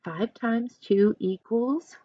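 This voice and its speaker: A woman teacher reading a picture book aloud to children in an expressive way, pausing to ask listeners questions and coach them. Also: fairly high pitch, dry recording, muffled recording. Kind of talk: animated children's read-aloud with teaching asides.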